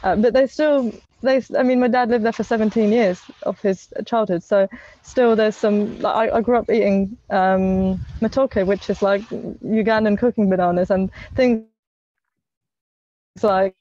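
A woman's voice: mid-range voice, fairly even intonation, unhurried, dark tone. A young woman, chatting casually as a podcast guest, with lots of fillers and restarts. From England. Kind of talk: casual interview chat. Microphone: earphone mic on a video call. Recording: lo-fi video call audio.

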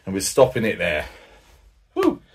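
A man, the host, commentating his own tabletop football game play by play, excitable and jokey with sudden loud outbursts, out of breath from the heat. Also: medium pitch, unhurried, far from the mic, heavy background noise. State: out of breath, hot.

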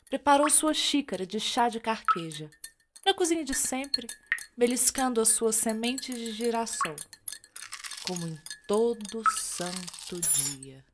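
A woman with a Brazilian accent narrating a radio serial as theatrical storytelling, with deliberate dramatic pauses. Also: on the high side, lively intonation, heavy background noise.

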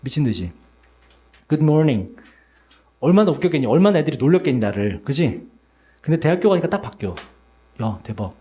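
Male teacher, 40s, classroom lecturer; chatty, teasing, talks straight to students; slightly high, very animated pitch. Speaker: English teacher.

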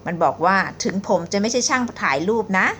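A bright, clear-toned young woman from Thailand gives a casual English lesson. She chats and rambles, then reads English phrases slowly and explains them. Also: medium pitch, animated, slight background noise. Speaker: English tutor. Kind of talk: casual vlog-style language lesson.

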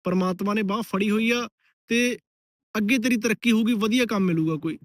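A man's voice: high voice, brisk. A man giving blunt, lecturing advice straight to the listener, calling him friend as he talks. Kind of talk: direct-to-camera advice talk.

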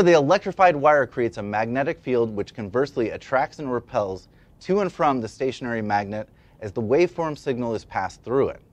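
A man in his thirties giving a scripted explainer as an instructor, with an emphatic, demonstrative delivery. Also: mid-range voice. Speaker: educational presenter and instructor. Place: indoor studio at a demonstration table. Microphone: lapel mic.

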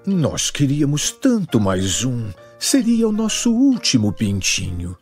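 A man voicing a doubtful adult rooster husband in a children's cartoon, with a rough, husky voice. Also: medium pitch, huge pitch swings, measured pace, soft background music. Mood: troubled. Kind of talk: animated storybook dialogue.

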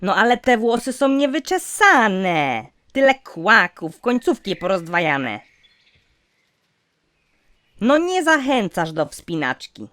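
A woman's voice: mid-range voice, fairly bright tone, dry recording. A woman playing a picky young cartoon prince, snooty and fault-finding. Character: fussy, picky young fairy-tale prince.

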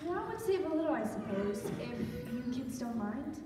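A woman playing a gentle, encouraging mother in an amateur stage radio play. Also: high-pitched, big pitch swings, moderate pace, music in the background. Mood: agreeable. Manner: gentle, agreeable. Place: church stage before an audience. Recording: echoey church hall, distant, faint noise.

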